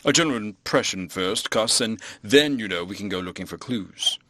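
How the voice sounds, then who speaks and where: A man voicing a fussy, evasive, pompous vicar in an audiobook, with measured, drawn-out phrases. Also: lowish voice, expressive, sharp tone, no room sound. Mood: evasive fussiness.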